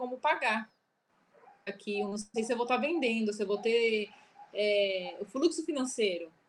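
A woman speaks with ordinary pitch variation. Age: 30s. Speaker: agency CEO. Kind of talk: interview. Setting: video call.

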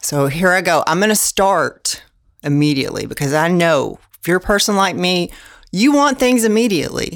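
In an American accent, a woman with an ordinary speaking voice talks at a moderate pace with fairly low pitch and lively intonation on a very clean recording with a silent background. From Texas, Houston. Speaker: comedian, podcast host. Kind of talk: comedic monologue.

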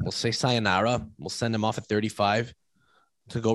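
The speaker has a plain, everyday voice and a fairly quick pace. The background is quiet. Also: man. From Canada. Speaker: podcast co-host. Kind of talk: casual chat. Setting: studio.

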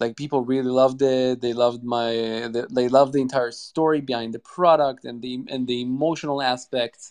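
Against a quiet background, a man talks at a fairly quick pace. His medium-pitched voice has a monotone, flat intonation. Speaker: podcast host, product manager. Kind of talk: casual interview.

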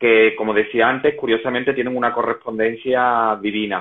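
In a Spanish accent, a man speaks at a moderate pace with monotone, flat intonation. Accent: Peninsular Spanish. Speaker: numerologist. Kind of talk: interview; guided meditation.

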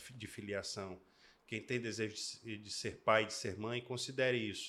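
A man's medium-pitched voice with a bright, sharp tone, fairly even intonation and a fairly slow pace. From Manaus, Brazil. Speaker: children's pastor. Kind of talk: casual chat.

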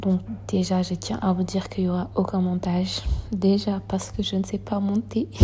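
Clear background noise accompanies a woman speaking at a medium speed. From Senegal. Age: 20s. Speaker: podcaster and travel entrepreneur. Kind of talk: casual solo podcast monologue. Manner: hesitant with many fillers.

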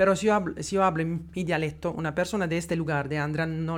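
A fairly high-pitched man with an Italian accent, at a very fast pace with fairly even intonation. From southern Italy, Barletta (Apulia). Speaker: language teacher. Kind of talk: casual interview. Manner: halting.

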